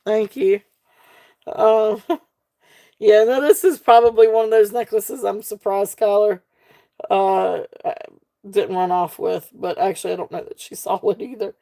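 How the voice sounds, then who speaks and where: A middle-aged woman with a relaxed Southern drawl runs a live jewelry auction. She talks slowly and casually, filling pauses with ums and little laughs as she describes each piece. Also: mid-range voice, gravelly. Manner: chatty, folksy, with frequent ums and soft laughs. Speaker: live jewelry sale host. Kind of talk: casual live-stream selling.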